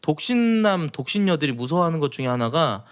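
A young man giving casual, animated commentary as a streamer, acting out bits of dialogue in changing voices. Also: fairly high pitch, brisk, clean tone. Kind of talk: casual commentary on news and stories.

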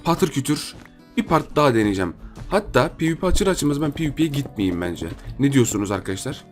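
A man's voice: mid-range voice, sing-song, a little fast, faint music behind. A young man with a Turkish accent giving chatty gameplay commentary, thinking aloud and talking to his viewers as friends. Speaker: gaming YouTuber.

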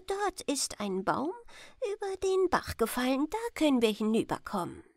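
A woman's voice: sits high, sing-song, moderate pace, dry recording, clean studio sound, exaggerated voice. A woman voicing a caring little white mouse guide in an earnest fairy-tale manner. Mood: helpful.

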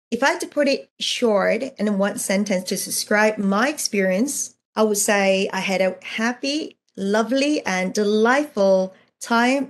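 A woman in her thirties from South Korea with a Korean accent, giving a chatty guest lecture over a video call and asking the audience questions. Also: medium pitch. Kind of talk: online presentation. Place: indoor room at home. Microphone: earphone mic on video call.

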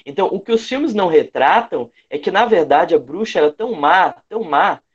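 A man's voice: sits high, expressive, fairly quick, slightly rough. A man with a Brazilian accent teaching an online lesson, reading a fairy tale aloud and explaining it didactically, repeating phrases for emphasis. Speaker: English teacher. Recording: dull, lo-fi online call audio.

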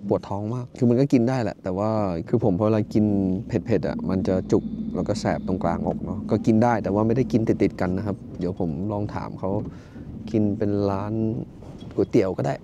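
A Thai man with a low-set voice talks to a handheld camera in a casual travel vlog. He chats his way through a noodle shop, exclaiming and laughing as he goes. Loud street ambience and passing vehicles fill the background. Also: fairly quick, background noise. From Thailand. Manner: chatty, laughs often, exclaims at the sights. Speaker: travel vlogger. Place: small roadside noodle shop and a road through the mountains.

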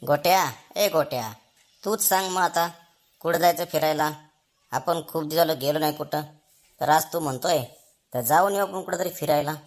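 A man's voice: a little high, normal speed, long pauses, natural voice. A commanding family father from a comedy cartoon, acted by a man. He speaks colloquially with a rural Maharashtrian accent. He likes to take charge of everyone. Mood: firm. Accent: rural Maharashtrian Marathi. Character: bossy village father, gruffly chiding, then agreeable. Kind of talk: Marathi comedy cartoon dialogue.

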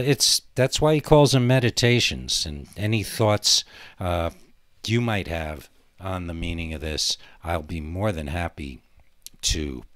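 A man hosting a podcast in a rambling, halting, musing solo monologue. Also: deep voice, fairly bright tone, no echo, clean studio sound. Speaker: podcast host.

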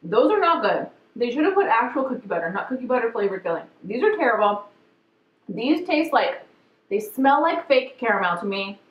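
A woman with a slightly high voice speaks through a mouthful of cookie while she hosts a casual taste test. She gives her opinions bluntly. The sound is echoey and a little dull. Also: very animated, fairly quick. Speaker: host of a food taste-test channel.

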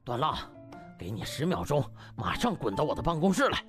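A man's voice: medium pitch, very animated, fairly quick, music in the background, natural voice. Man playing a furious, barking hospital boss. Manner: barking, commanding. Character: furious, domineering male hospital director. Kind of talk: comic audiobook drama acting.

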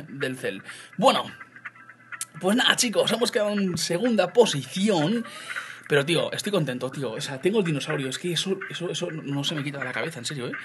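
Excitable young Spanish gamer man. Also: fairly high pitch, noisy background. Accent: Spain Spanish. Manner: excitable, swinging from loud outbursts to muttering. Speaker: gaming youtuber. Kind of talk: casual gameplay commentary.

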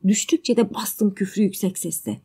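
A woman reading as a stranded young mother in a spoken-word audiobook drama, agitated and bitter. She speaks in an emphatic outpouring at a middle pitch, sounding close to the reader's own voice. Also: moderate pace, mellow, slightly rough.

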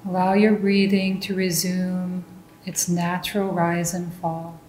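Slow, soft-toned woman guiding meditation. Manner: calm, gentle, instructional. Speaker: meditation teacher. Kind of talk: guided meditation. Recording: roomy echo, faint low rumbling noise.

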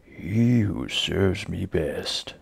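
A man voicing a sly, coldly mocking hangman in a dramatic poem, with a slow, taunting, gravelly rasp. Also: deep voice, animated, voice pushed down, heavily acted. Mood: sly, ominous. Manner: slow, drawn-out, taunting delivery. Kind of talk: dramatic poetry recitation.

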